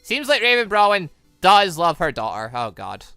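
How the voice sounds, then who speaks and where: Bright-voiced young man, rambling. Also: high-pitched, wildly swooping pitch, normal speed, creaky, dry recording. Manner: rambling, trails off into nonsense syllables. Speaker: gaming channel host. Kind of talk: casual game commentary. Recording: music behind the voice.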